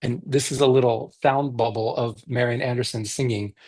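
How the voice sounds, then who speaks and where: A man, a children's author, reading his picture book aloud in a lively, expressive way over a video call. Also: mid-range voice, normal speed.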